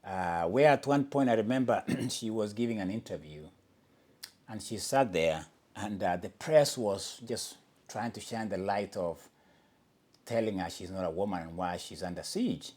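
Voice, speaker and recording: A man's voice: on the low side, moderate pace, a little mellow. A man hosting a podcast, delivering an impassioned, emphatic monologue and often restarting his sentences. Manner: emphatic, questioning, with frequent restarts and fillers. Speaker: podcast host.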